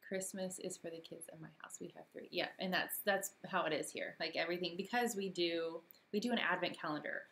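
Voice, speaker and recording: A woman in her thirties talks casually through a home live stream, relaxed and laughing easily. Her voice sits on the lower side and sounds a bit worn, as if she is losing it. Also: brisk, few pauses.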